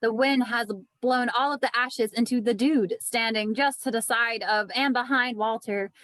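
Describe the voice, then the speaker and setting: A woman's voice: on the high side, fairly even intonation, normal speed, a bit bright, no echo. A woman narrator reading stage directions from a film script in an online table read. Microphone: video call.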